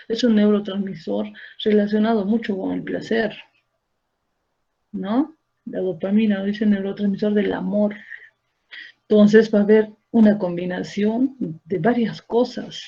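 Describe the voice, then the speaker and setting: Female lecturer, gravelly edge, keeps checking in with the class, muffled lo-fi sound. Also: mid-range voice, dark tone. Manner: explains step by step, checks in with rhetorical tag questions and quizzes students. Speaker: medical lecturer. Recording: dull lo-fi recording.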